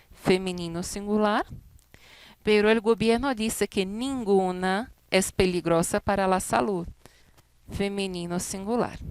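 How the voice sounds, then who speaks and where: A woman gives a recorded Spanish lesson, working patiently through example words one by one. Her voice is smooth and clear, and the recording is dry and close, with no room sound around it. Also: medium pitch, dry recording. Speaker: Spanish teacher. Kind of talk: recorded class explanation.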